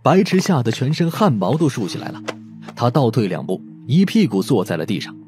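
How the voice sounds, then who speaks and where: A man narrating a mystery audiobook in an expressive storytelling manner. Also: medium pitch, fairly quick, soft background music.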